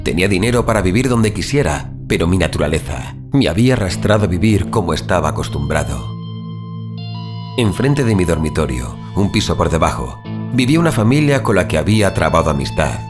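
In a brooding, dramatic horror audio drama, a man voices a tormented superhuman vigilante narrating his own fall into violence. His low voice swings widely in pitch and runs a little fast, with dramatic music behind it.

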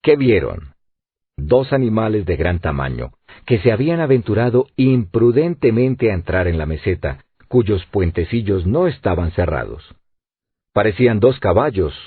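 Male audiobook narrator, expressive and lively, low husky voice, dry narrow audio. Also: no echo. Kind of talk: scripted narration. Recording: narrow phone-like sound, dry.

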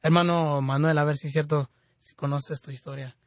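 A fervent man hosting a Catholic radio program, his voice a little high for a man. He prays and explains with frequent stops and restarts. The studio sound is dry and close. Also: steady tone, normal speed, no echo. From California. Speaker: radio show host. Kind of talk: Catholic radio talk and prayer.

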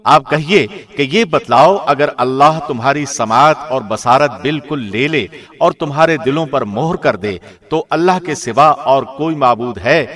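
A man reading a scripture translation from a script in a measured, formal radio-presenter manner. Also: mid-range voice, a bit bright. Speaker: translation reader.

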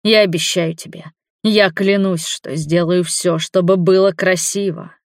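A grey-haired, ailing man speaks softly and lovingly, pleading for forgiveness, as read by a woman narrator. The voice stays low and calm. The sound is close and dry. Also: unhurried, no echo. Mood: tender. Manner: soft, tender, pleading.

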